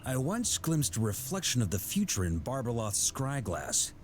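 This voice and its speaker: An actor playing a jovial, roguish middle-aged knight grandmaster in a video game, hearty and conversational like a theatrical storyteller. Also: male voice, mid-range voice, big pitch swings, normal speed, darkish tone, slight background noise, natural voice. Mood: resolute. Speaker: game character giving voice lines. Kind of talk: scripted video game voice acting.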